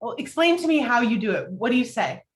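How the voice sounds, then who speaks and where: Casting: echoey room, woman playing frank, opinionated single gal with a higher voice, easily indignant, comedy read. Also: sing-song, fast talker. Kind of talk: virtual table read of a film comedy. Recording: roomy, echoing home recording.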